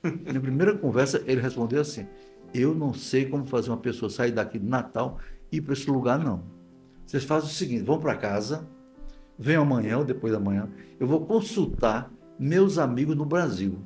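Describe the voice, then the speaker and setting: A man's voice: mid-range voice, expressive, fairly quick, a little mellow, soft background music. An older man with a Northeastern Brazilian accent, a guest pastor telling stories conversationally, repeating phrases and acting out quoted dialogue. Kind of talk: conversational storytelling interview.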